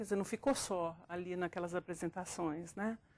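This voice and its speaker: The pace is moderate. Pitch variation is ordinary. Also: woman. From Goiás, Brazil. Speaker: poet and book editor. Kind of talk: interview. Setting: studio in a library. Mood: warm, reflective. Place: studio. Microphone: lapel.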